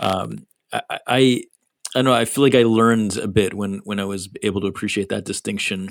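A man with an ordinary speaking voice and an American accent talks at a fairly low pitch and a fairly quick pace, with fairly even intonation. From US, Egyptian heritage. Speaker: podcast host, pastor. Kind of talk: casual interview conversation.

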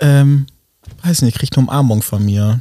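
This man's voice sits at a fairly high pitch, somewhat breathy and dark and mellow in tone, with ordinary pitch variation. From North Rhine-Westphalia, Germany. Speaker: podcast co-host. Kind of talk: casual chat.

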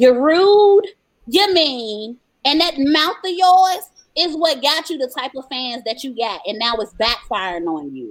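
A woman speaks loudly and at a fairly slow pace, with a high pitch. Her tone is animated, with very wide pitch swings. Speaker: podcast co-host. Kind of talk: casual chat, gossip. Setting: live video stream. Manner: loud, animated.

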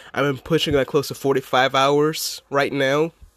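In an American accent, a man speaks at a medium pitch and a moderate pace in a plain, everyday voice. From US Midwest, Chicago. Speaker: podcast host and blogger. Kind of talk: solo casual podcast monologue.

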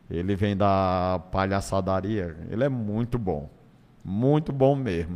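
A man speaks at a very slow pace with a fairly low pitch. His pitch moves in an ordinary way. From Brazil, Piauí (Teresina). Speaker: comedian. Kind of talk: casual interview chat.

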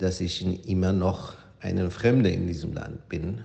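In a Persian accent, a man talks with fairly even intonation. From Iran. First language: Persian (speaking German). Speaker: immigrant. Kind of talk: voice message.

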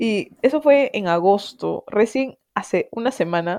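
Against a quiet background, a woman speaks in a dark, mellow tone with lively intonation. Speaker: podcast co-host. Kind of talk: casual chat. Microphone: connection cutting out.

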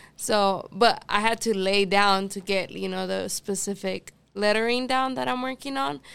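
A woman with a Spanish accent, hardly any pauses, on a very clean recording with a silent background. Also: medium pitch for a woman, moderate pace. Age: 20s. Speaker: artist. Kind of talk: casual chat. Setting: studio.

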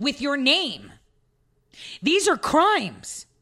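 This raised, projected voice has a bright, sharp tone and very wide pitch swings. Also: woman, very clean recording, silent background. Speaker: radio host. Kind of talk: talk radio monologue. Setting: radio studio. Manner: conversational, filler-heavy, opinionated.

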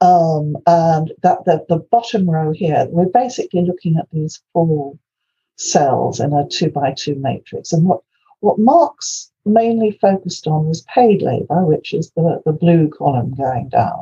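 The voice has a dark, mellow tone and is somewhat breathy. It moves at a fairly slow pace with a Welsh accent. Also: woman, fairly low pitch for a woman. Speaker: scholar. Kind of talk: lecture.

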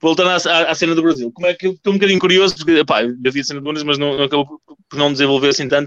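The recording has a dry, close sound without echo. His pitch moves in an ordinary way as the man talks. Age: 30s. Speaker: podcast host. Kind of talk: casual chat.

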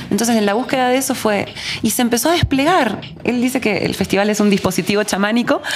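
Over noticeable background noise, a woman with a fairly high pitch talks at a very fast pace, her loudness very even and her pitch variation ordinary. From Argentina. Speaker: festival producer. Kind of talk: interview.

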